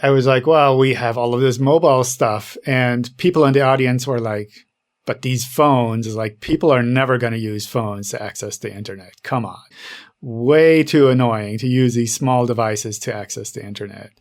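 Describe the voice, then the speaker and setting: A man speaks as a podcast host in a casual discussion. His delivery is conversational and musing, with a mid-range male pitch. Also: normal speed.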